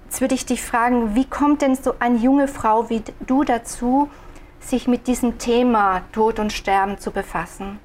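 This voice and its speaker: Measured woman interviewer. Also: a little high, fairly even intonation, darkish tone, a little hiss or hum. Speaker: podcast interviewer. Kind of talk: interview questions.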